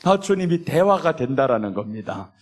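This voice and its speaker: A man's voice: medium pitch, big pitch swings, normal speed. A man, a pastor, preaching a sermon and acting out imagined talks between God and believers in different voices. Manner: acts out conversational prayers and God's replies in shifting voices.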